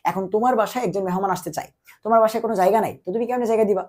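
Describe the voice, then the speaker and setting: Rapid-fire and high, with a somewhat dark tone, this young man's voice carries an exam-prep chemistry lesson he teaches while running a fever. As a tutor, he quizzes the listener over and over, asking questions and then supplying the answers.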